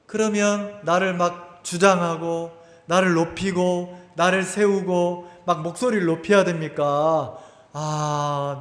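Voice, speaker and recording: A man preaches in a high, animated voice that rises and falls sharply. He keeps asking his congregation rhetorical questions. The sound is echoey, with a long hall reverb from the church. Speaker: pastor. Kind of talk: sermon. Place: church sanctuary.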